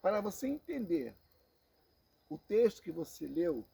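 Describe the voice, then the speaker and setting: A Brazilian man with a Brazilian Portuguese accent teaching a Bible sermon, slow and emphatic, repeating phrases and calling listeners brothers. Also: sits high, big pitch swings, vocal fry, warm tone, husky. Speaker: preacher.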